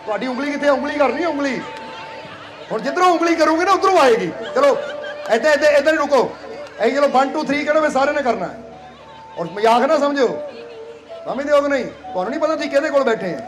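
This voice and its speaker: A man's voice: very high voice, animated, fast, pauses often. A man from Punjab, India, gives a sermon to his congregation as its spiritual leader. He is playful and coaxing, and he repeats phrases and keeps asking the crowd whether they understand. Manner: coaxing and playful, laughs between lines.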